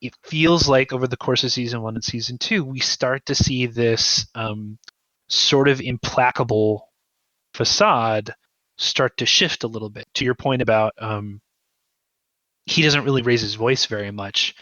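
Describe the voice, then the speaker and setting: A man speaking as a podcast guest, discussing fiction in a reflective, analytical way with deliberate emphasis. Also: medium pitch, bright, forceful tone, no room sound, lo-fi sound.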